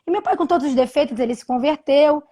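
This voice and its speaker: A woman in her thirties telling a personal story on a live video call, halting, with many restarts and repeated words. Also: high-pitched, dark tone. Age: 30s. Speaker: interview guest. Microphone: video call from home.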